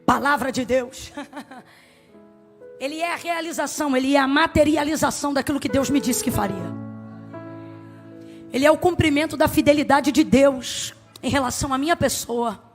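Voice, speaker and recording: A woman preaching a sermon, emphatic, swinging from soft to loud and asking the congregation to answer back. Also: high voice, moderate pace, pauses often, faint music behind. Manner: asks the congregation to respond.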